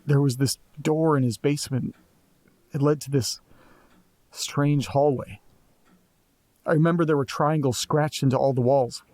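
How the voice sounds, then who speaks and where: A man's voice: mid-range voice, fairly even intonation, a little mellow, no room sound, natural voice. A man playing a restless, sardonic young man. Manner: sardonic, restless, quick to jump to conclusions. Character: Nate, anxious young man chasing a mystery. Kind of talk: audio drama acting.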